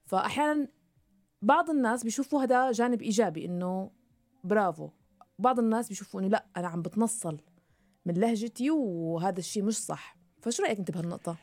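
A woman from Syria with a Syrian Levantine Arabic accent, hosting an interview podcast in quick, chatty conversation. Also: mid-range voice, animated, darkish tone, no echo. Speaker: podcast host. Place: radio studio.

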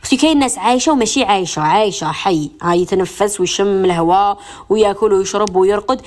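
Fast-talking woman with an Algerian accent. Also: mid-range voice, a little mellow. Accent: Algerian Arabic. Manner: mixes in French and English phrases; earnest, repeats phrases for emphasis. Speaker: radio show host. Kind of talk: motivational self-help talk.

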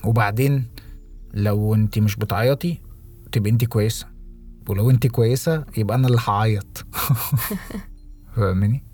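A young Egyptian man co-hosting a podcast, talking reflectively with halting restarts and English phrases mixed in. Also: on the low side, mellow, faint music behind. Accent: Egyptian Arabic. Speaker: podcast co-host. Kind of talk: casual podcast conversation.

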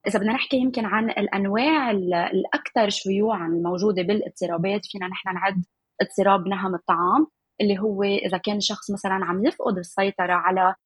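A woman's voice: medium pitch, fairly even intonation, quick pace, husky, no room sound. A woman with a Levantine Arabic accent explaining things conversationally as an expert guest, mixing English words into her Arabic. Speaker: guest nutritionist specializing in eating disorders.

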